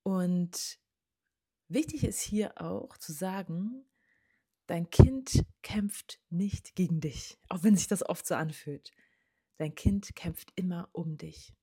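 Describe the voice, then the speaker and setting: A low, husky woman's voice, talking straight to parents about their children. She is earnest and coaching in tone, and often sinks into a soft near-whisper to stress a point. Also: slow pace. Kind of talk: direct-address advice talk.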